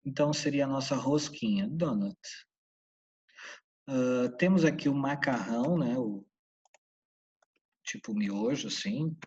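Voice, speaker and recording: A Brazilian man from Santa Catarina with a husky voice teaches a casual English class. He pauses and repeats each English word slowly. His voice sits at a middle pitch and comes through a dull, distant mic. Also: a little mellow, slight background noise. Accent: Brazilian Portuguese, Santa Catarina.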